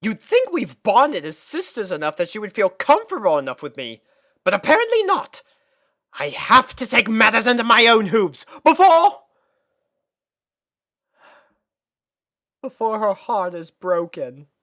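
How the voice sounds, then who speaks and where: A prim, genteel lady pony from a storybook cartoon, acted by a woman. The delivery is theatrical and fussy, lifted well up in pitch. Every phrase swoops like an elder sister making a drama. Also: huge pitch swings, normal speed, fairly bright tone, heavily acted. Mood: frustrated, determined.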